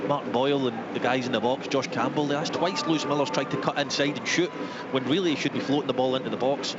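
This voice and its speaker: A man's voice: medium pitch, quick pace. A man giving unscripted football match analysis as a radio co-commentator. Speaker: football co-commentator, former player. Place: outdoor football stadium. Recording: dull radio sound, loud background noise. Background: loud stadium noise.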